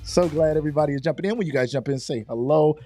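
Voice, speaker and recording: A middle-aged man hosts a live online show, his voice a little high, dark in tone, and slightly hoarse from losing it, as he races along over soft background music. He's upbeat and chatty, greeting viewers by name.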